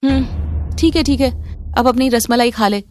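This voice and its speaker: A woman's voice: on the high side, unhurried, a little mellow, no echo, close to an everyday voice. A woman voicing a jealous middle-aged mother who taunts and reproaches her daughter. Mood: reproachful.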